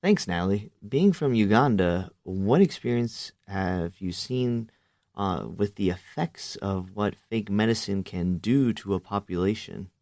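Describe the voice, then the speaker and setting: A man hosts a radio interview and asks his guests questions politely. His voice is low. The studio sound is dry and close. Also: animated, measured pace, darkish tone, no echo. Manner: polite, congratulatory. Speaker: radio host.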